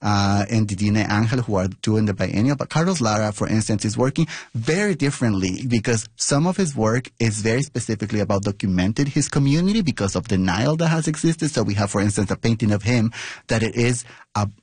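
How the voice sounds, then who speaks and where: Husky low-voiced man. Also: lively intonation, brisk, a little mellow, dry recording. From El Salvador. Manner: earnest and explanatory, often tags points with "right?". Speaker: guest, biennial organizer and researcher. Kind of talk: conversational interview.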